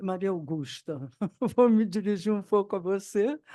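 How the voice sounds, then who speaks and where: A woman speaks very slowly with lively intonation and a dark, mellow tone. The sound is dry and close, with no echo and a quiet background. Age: 90s. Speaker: film producer. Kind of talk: panel talk.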